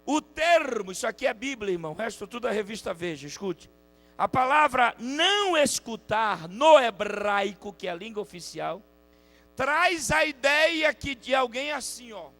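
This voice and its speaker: Brief: male preacher, high voice, hushed asides breaking into shouted, stretched-out climaxes; call-and-response; mains hum. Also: big pitch swings, rough recording. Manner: swings between soft asides and shouted climaxes, calls for responses; drawn-out emphatic phrasing. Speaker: pastor. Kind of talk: Pentecostal-style preaching to a congregation. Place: church hall with congregation.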